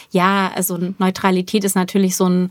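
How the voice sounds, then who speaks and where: On a very clean recording with a silent background, a woman's voice sounds dry and close, without any echo. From eastern Germany. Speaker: documentary photographer. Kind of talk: interview.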